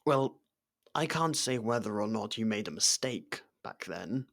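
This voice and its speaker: A man playing a loyal servant and close friend to royalty in an ASMR roleplay, hesitant, deferential and familiar, gently teasing. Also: on the low side, expressive, measured pace, creaky, heavily acted. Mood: concerned, hesitant. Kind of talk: ASMR roleplay audio drama.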